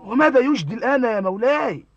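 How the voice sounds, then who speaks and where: High-voiced fawning cartoon courtier. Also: male voice, lively intonation, fast, no echo. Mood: rueful. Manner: obsequious. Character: fawning male courtier of the Pharaoh. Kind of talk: cartoon drama acting. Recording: dull lo-fi cartoon soundtrack.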